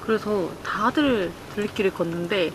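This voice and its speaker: A woman's voice: mid-range voice, moderate pace, noisy background. A woman chatting casually as a solo camping vlogger, half to herself and half to viewers, in an informal way. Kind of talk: casual vlog chat. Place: campsite, outdoors and in a tent.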